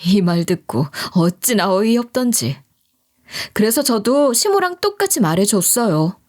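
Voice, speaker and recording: A woman reading a first-person story aloud in an expressive, conversational narration style. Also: medium pitch, a little slow.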